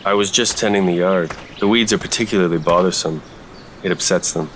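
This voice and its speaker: An actor playing an old, lonely country reverend in an audio drama, solemn and hospitable, with measured, formal phrasing. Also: male voice, deep voice, fairly bright tone, slight background noise. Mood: solemn welcome. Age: older. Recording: roomy echo under music.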